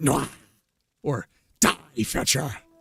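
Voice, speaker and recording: Shouting in a raspy put-on character voice, a man holds a medium pitch. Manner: harsh, yelling, hostile.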